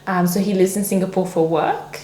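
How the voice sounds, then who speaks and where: A woman's voice: on the low side, fairly even intonation, a little fast, warm tone. A young woman, French her first language, chatting casually as a podcast guest with many fillers and restarts. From France. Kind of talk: casual interview chat. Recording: echoey room.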